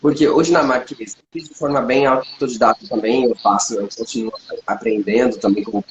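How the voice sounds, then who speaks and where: A man's voice: mid-range voice, steady tone, a little fast. A man who speaks Portuguese as a learned language, chatting casually as a co-host and often restarting his sentences. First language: not Portuguese. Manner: hesitant, many restarts and fillers. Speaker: co-host, polyglot. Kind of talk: casual chat. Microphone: livestream recording. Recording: roomy echo, faint noise.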